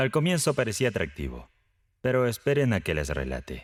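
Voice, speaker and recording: A very deep, low male voice with vocal fry and very wide pitch swings, on a very clean recording with a silent background. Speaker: audiobook narrator. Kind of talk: sleep story. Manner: soft-spoken, calm.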